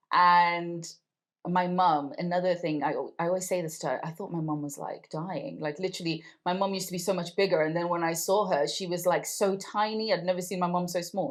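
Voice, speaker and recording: Low-voiced woman from Zimbabwe, reflective. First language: Ndebele. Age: 30s. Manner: reflective, conversational, warm storytelling. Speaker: interviewee. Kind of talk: oral history interview.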